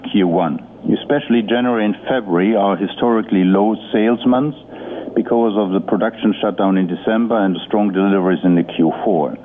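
Male executive for an earnings call: lowish voice, formal, hesitant delivery, heard over a thin telephone connection. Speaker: company executive. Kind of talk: prepared earnings-call presentation. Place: conference call line. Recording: muffled phone-line audio with noise.

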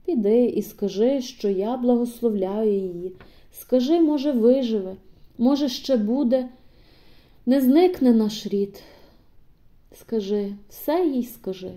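A woman's voice: on the high side, natural voice. A woman voicing a weary old peasant husband. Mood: weary, tender. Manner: quiet, halting farewell speech.

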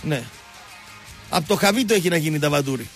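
Speaking into a radio studio microphone with faint music behind him, a man with a slightly high voice hosts a sports show. He rambles about football in a mocking, animated, digressive storytelling style.

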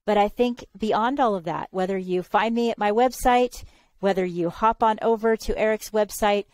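A woman's voice: mid-range voice, normal speed, darkish tone, no room sound. Enthusiastic woman host on a headset mic. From California. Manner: enthusiastic, encouraging. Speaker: podcast host. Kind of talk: casual video-call interview. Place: room at home.

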